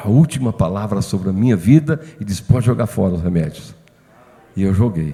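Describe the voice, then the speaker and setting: A man with an ordinary speaking voice, fairly low in pitch, with ordinary pitch variation. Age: 60s. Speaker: pastor. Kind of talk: sermon.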